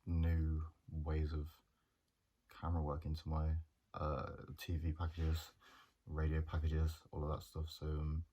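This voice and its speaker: A young man, a journalism student talking through his plans in a hesitant, monotone way with many pauses and restarts. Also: a bass voice, slightly rough. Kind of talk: casual reflective monologue.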